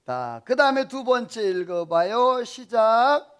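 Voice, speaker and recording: Male pastor, high voice, preaching sermon with call-and-response questions to the pews. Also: very animated, slow pace, clean tone. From South Korea. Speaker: senior pastor.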